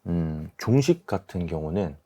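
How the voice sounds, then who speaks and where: A man in his forties giving measured, softened explanations as an expert guest in a radio interview. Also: low-pitched, lively intonation, husky. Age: 40s. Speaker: guest, small-business expert and YouTuber. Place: radio studio.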